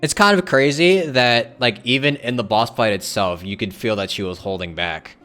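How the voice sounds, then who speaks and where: A man's voice: medium pitch, moderate pace, pushed and bright, soft background music. Laid-back male game streamer. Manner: laid-back, joking, chatty. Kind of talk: casual live gameplay commentary.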